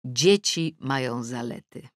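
A woman narrating an audiobook in the first person with a wry, ironic delivery and lively pitch swings, close to the mic. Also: takes it slowly, no room sound. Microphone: close studio mic.

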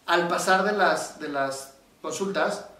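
Mexican male psychologist, casual animated explainer, high voice, roomy echo, off-mic. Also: takes it slowly, distant mic. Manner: animated storyteller, acts out quoted voices. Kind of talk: casual explanatory talk to camera. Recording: very echoey room, voice from off the mic.

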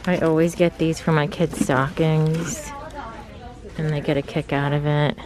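A woman in her thirties, speaking through a face mask in a low, flat voice at a measured pace, films store shelves on her handheld phone. Her casual shop-with-me narration is chatty as she muses aloud, with crowd noise and busy store ambience around her.

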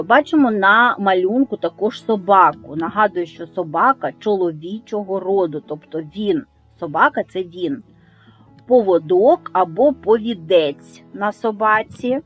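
Slow, careful woman teacher. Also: medium pitch. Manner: patient, stresses words slowly and carefully. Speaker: Ukrainian language teacher. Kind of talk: slow, clear lesson explanation. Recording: faint music behind voice.

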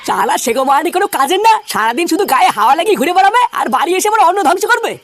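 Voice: very high voice, big pitch swings, rapid-fire, fairly bright tone, exaggerated voice. An actor playing a cantankerous, foul-mouthed old head of the family in a comic cartoon, scolding and grumbling. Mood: angry, grumbling.

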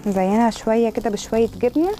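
A woman's voice: fairly high pitch, very fast, warm tone, soft background music. A woman with an Egyptian Arabic accent, a food blogger giving chatty cooking and health advice in a kitchen, rattling along and stacking up intensifiers.

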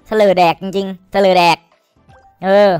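A man giving excited, crude commentary while streaming a slot game, cursing and pleading at the screen. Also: high-pitched, measured pace, clear, resonant tone, no room sound, faint music behind.

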